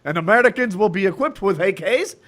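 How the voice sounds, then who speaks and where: A man putting on a mock Somali accent, playing a boastful man who pitches pirate hunts and giggles as he goes. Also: animated, brisk, fairly bright tone. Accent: put-on Somali. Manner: giggling, exaggerated.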